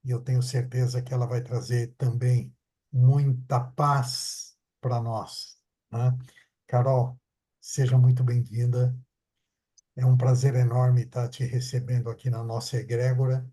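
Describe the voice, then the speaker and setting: A man's voice: mid-range voice, little pitch movement, unhurried, mellow, husky. A man hosting an online talk, welcoming and reassuring his guest over a video call. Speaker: host.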